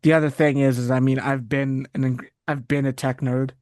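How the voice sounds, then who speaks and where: A man from Canada talks casually as an interview guest, circling back and restarting his sentences as he wanders off on tangents. His voice sits in an ordinary middle pitch. The recording is dry and close, with no room echo. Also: little pitch movement, brisk, a little mellow. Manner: rambling, restarts often, goes on tangents. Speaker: guest, wrestling site writer.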